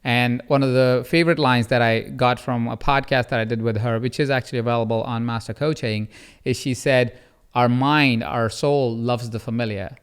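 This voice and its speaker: A man in his thirties hosting a coaching podcast, telling personal stories and acting out quotes in an animated way. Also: moderate pace, clear, resonant tone. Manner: animated, acts out quotes with rising pitch. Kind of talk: conversational storytelling.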